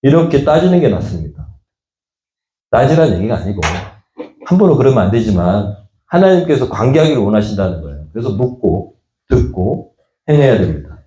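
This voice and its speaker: A middle-aged man preaches a sermon as pastor, chatting with his congregation and slipping into the voices of the people in his examples. His tone is mellow and dark, and his pitch swings widely. The sound is roomy, as in a church hall. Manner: conversational preaching, acting out quoted voices with rising pitch. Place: church sanctuary. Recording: echoey church room.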